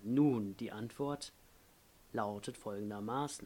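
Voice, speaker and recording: This man talks at a very slow pace and medium pitch, with ordinary pitch variation. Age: 20s. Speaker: volunteer tech team member. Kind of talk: pre-recorded self-introduction. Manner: casual.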